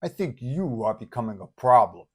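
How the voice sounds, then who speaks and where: A hulking super-villain thug, acted out by a male narrator for a superhero story. He menaces with slow, understated threats at a medium pitch. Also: big pitch swings, breathy edge. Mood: menacing.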